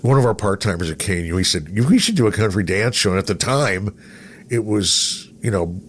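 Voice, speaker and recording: Low-voiced middle-aged man telling stories. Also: lively intonation, brisk. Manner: storytelling, acts out quoted remarks. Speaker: radio personality, podcast guest. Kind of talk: casual anecdotal chat. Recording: noticeable background noise.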